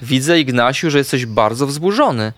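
A man voicing a calm, wise female owl who gently guides the children in a storybook. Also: mid-range voice, moderate pace, dry recording, lightly acted. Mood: soothing.

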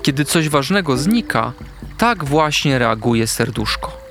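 A wise, caring owl lady, as a male narrator puts her on, who speaks softly and calmly in a storybook. Her patient, soothing voice rises and falls with lively pitch, and soft music plays faintly behind her. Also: measured pace, natural voice.

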